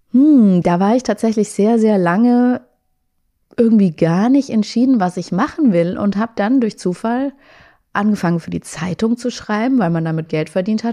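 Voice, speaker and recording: Against a quiet background, a woman speaks with a dark, mellow tone and ordinary pitch variation. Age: 30s. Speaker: journalist. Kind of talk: interview.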